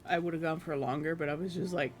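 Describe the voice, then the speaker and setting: Hoarse, rambling streamer over faint music. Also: mid-range voice, fairly even intonation, fast. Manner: rambling, self-deprecating, laughs often. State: hoarse, losing voice. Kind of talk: casual chat with viewers. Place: own room at home.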